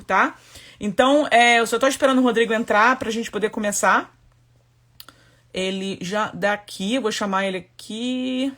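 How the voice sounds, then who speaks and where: A woman's voice: on the high side, fairly bright tone. A woman hosting a live stream, chatty and upbeat, rattling off topic lists in a casual way. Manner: chatty, repetitive list-making, upbeat. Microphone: webcam or phone for live stream.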